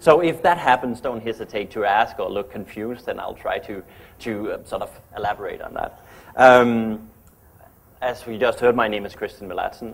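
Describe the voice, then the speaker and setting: Speaking in a Danish accent, a man's voice shows big swings in loudness. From Denmark. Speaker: architect. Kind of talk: lecture. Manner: fast.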